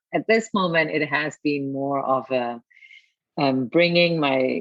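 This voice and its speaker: A woman speaks with a very deep, low pitch and lively intonation. Her pace is fairly slow. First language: Spanish. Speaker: podcast host and former headhunter. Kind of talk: casual interview chat. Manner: hesitant, many fillers.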